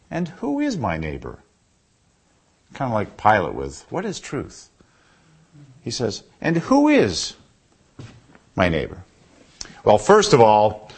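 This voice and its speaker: A man preaching a sermon in a church, asking the congregation questions as he goes, with a husky baritone voice. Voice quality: husky with a cough. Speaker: pastor. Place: church sanctuary.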